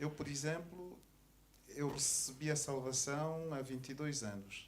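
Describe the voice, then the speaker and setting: A man with a fairly high voice speaks with fairly even intonation in audible room echo. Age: 60s. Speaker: church member in study panel. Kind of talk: group discussion.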